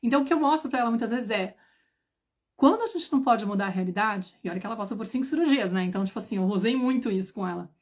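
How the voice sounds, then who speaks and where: A woman's voice: medium pitch, expressive, rapid-fire, a little mellow. A woman in her thirties or forties, a parenting mentor hosting a livestream, telling stories chattily with many asides. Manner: chatty storytelling, many asides and tag questions. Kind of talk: casual livestream talk.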